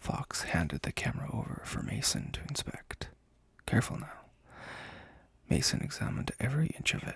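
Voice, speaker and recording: Someone whispers at a fairly quick pace with long, frequent pauses over noticeable background noise. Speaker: ASMR creator reading a book aloud. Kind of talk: audiobook-style reading. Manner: soft-spoken.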